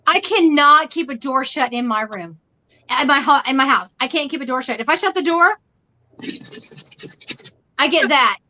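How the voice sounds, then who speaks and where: A middle-aged woman hosts a casual livestream from her bedroom, her voice high and bright. She talks loudly and animatedly, rambling through anecdotes with quoted dialogue. The sound is dull and lo-fi. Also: normal speed, pauses often. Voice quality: loud, animated storytelling voice. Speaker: livestream host. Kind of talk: casual chat. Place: bedroom at home.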